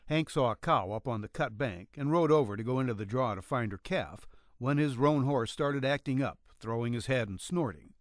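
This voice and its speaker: A man's voice: mid-range voice, animated, normal speed, no echo, studio quality. A man narrating a western story as a scripted audiobook reading.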